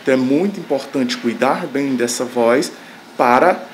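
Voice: mid-range voice, moderate pace. Expert explaining to camera, slightly hesitant, faint background noise. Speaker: speech therapist.

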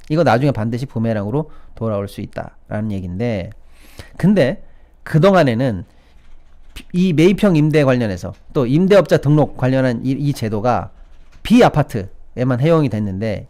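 Man, middle-aged, sarcastic commentary, swinging animated pitch, keeps addressing viewers. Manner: sarcastic, mocks officials in put-on quotes, frequent "예" and "여러분". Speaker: political-economy commentator. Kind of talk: opinionated solo commentary.

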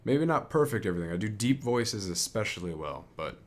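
A man's voice: on the low side, big pitch swings, fairly quick, slight background noise. A man speaking casually and a little tentatively as an amateur voice actor introducing his work. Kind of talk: casual voice demo narration. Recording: music behind the voice. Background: music.

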